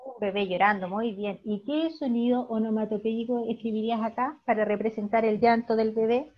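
Chilean teacher, encouraging and slightly husky. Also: female voice, fairly high pitch, fairly even intonation, brisk. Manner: warm encouraging praise, patient explaining. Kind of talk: online class teaching. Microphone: video call. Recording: dull lo-fi video call audio.

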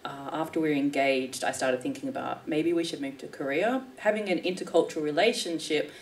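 Low-voiced woman. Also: fairly quick, distant mic. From Australia. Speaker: guest, cartoonist. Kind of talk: casual chat on a radio panel. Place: radio studio stage with audience.

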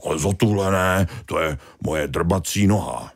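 A man's voice: sits low, creaky, no room sound, clean studio sound. Man playing a grumpy starfish grouch. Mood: protesting. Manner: complaining, bossy, whiny. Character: grumpy, touchy loner starfish, male.

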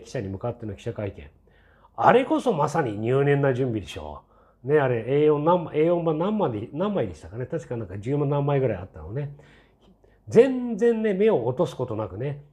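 A man's voice: mid-range voice, mellow, highs cut off. A man in his sixties hosting his own channel, giving a casual, rambling opinion commentary full of fillers, with a mildly skeptical, mocking edge. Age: 60s. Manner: chatty and rambling, many fillers and tag asides. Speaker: channel host.

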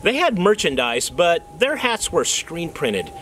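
A man in his fifties explaining a craft step by step in a relaxed, chatty way, with plenty of fillers. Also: fairly high pitch, a little slow, a little hiss or hum, rough recording. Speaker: maker teaching a craft. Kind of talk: hands-on tutorial. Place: indoors at a workbench, later outdoors by a farm fence.

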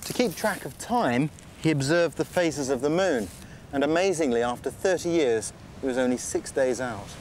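A man presenting a survival documentary outdoors on a tropical island. He calmly explains and demonstrates each step. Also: fairly high pitch, normal speed, slight background noise. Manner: calm, explanatory, tells and shows step by step. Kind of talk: documentary narration and on-location demonstration.

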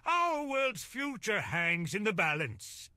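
A man's voice: sits high, big pitch swings, takes it slowly, pushed and bright, clean tone, no echo, clean studio sound, heavily acted. A man voicing a tiny scheming mad scientist sea creature in a video game, with a theatrical German accent. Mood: grave, urgent.

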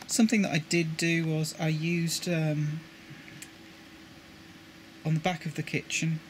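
British man giving a halting hobby tutorial. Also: a little high, little pitch movement, a little hiss or hum. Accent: British English. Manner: halting, repeats words while handling parts. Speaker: model railway hobbyist. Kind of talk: casual hands-on tutorial. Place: indoors at a table with a model railway.

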